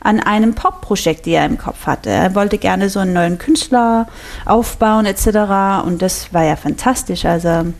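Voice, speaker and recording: A woman's voice: mid-range voice, moderate pace. A woman with a Danish accent, speaking German as a guest and laughing often in a casual interview. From Denmark. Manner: laughs often, chatty and self-mocking. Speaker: guest, singer.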